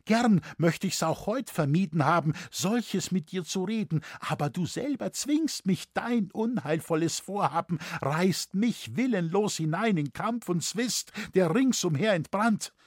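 Guy reading as innocent young daughter in an audiobook, earnest, lively pitch. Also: slightly rough, no room sound, clean studio sound. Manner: earnest, pleading.

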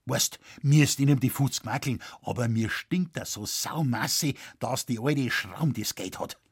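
A man's voice: mid-range voice, a little slow, slightly rough. A man voicing a sly, jovial Bavarian village blacksmith who talks in broad, hearty dialect.

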